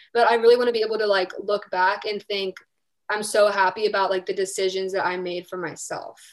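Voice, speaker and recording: A woman speaks in an ordinary speaking voice at a medium pitch. Her pace is fairly quick, with fairly even intonation. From UK, raised in London, Beijing, then North Carolina. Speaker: guest, college student. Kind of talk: casual chat.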